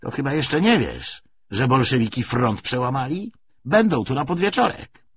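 A man's voice: mid-range voice, big pitch swings, normal speed, slightly rough, muffled recording, voice pushed up, full character voice. A man voicing a cheeky, folksy army corporal in an audiobook, with a mocking, familiar manner. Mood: mocking, urgent.

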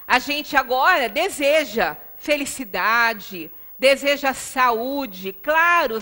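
Brazilian woman, middle-aged, religious lecturer, unhurried pace, emphatic and conversational, reverberant meeting room. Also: fairly high pitch, bright, forceful tone. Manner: emphatic, with frequent rhetorical tag questions. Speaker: lecturer at a Spiritist center. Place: small indoor lecture room.

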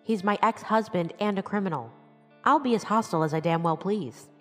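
A woman's voice: mid-range voice, brisk, soft background music, close to an everyday voice. An actress playing a guarded, defiant woman with no memory in an audio drama. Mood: hostile. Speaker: lead actor and narrator of an audio drama serial.

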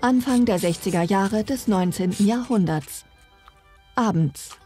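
A woman's voice: mid-range voice, measured pace, dark tone, soft background music. A woman reading a formal scene announcement for a radio play.

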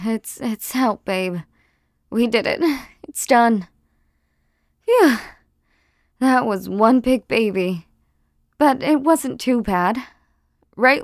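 A fierce demon queen wife played by a woman in an animated comic, commanding and exasperated. Her high voice is measured and weighty, captured very dry. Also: no echo. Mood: exhausted relief. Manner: forceful, demanding, dramatic.

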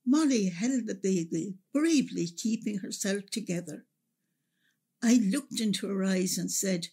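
Radio drama role: older Irish mother played by a woman, reflective and resilient storyteller, slow delivery, breathy husky voice. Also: medium pitch, warm tone. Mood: sad, resolute. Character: older Irish mother recalling wartime hardship, wistful and resilient.

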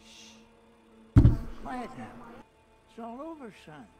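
An actor playing a calm, menacing elderly crime boss in a video game, speaking with slow, soothing deliberation. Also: male voice, very high voice, heavily acted. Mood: quietly menacing. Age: older. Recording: game music behind the voice.

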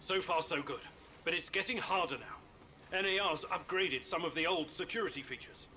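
An actor playing the male hero of a video game, speaking in a tense, bright tone, heard played back from the game. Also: fairly high pitch, moderate pace. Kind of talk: game voice acting.

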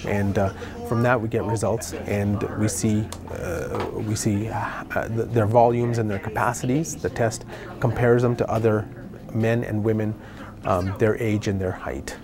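A middle-aged man explaining his work as a respiratory educator in an interview, phrasing things haltingly. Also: fairly low pitch, level tone, over music. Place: indoor clinic or pharmacy. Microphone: lapel.

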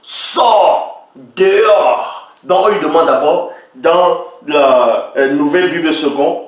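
Male preacher, fairly high voice, emphatic delivery, booming echoey room, mic at a distance. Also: unhurried. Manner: emphatic, repeatedly asks listeners if they follow. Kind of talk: sermon-style teaching.

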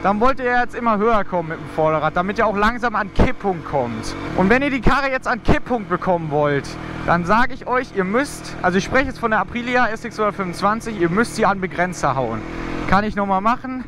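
High-pitched young man talking inside a helmet. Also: animated, fairly quick. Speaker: motovlogger giving a riding tutorial. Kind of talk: casual instructional commentary while riding. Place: outdoors inside a helmet, riding a motorcycle. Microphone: mic inside motorcycle helmet. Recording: helmet mic with clear engine and road noise.

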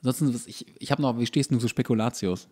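A man's voice: mid-range voice, fast talker, a little mellow, husky. A man co-hosting a podcast in casual comedic chat, with a dry, wry way of joking. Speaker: podcast co-host.

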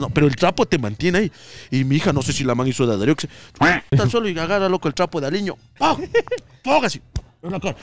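A young man with an Ecuadorian accent, telling a comic story in a casual podcast chat with vivid sound effects. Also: on the high side. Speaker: podcast co-host.

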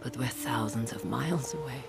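An actress playing a guarded, intense woman professor in an espionage thriller motion comic, speaking in a measured, earnest way. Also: very deep voice, vocal fry, loud music behind the voice. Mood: urgent. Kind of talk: dramatic motion-comic voice acting.

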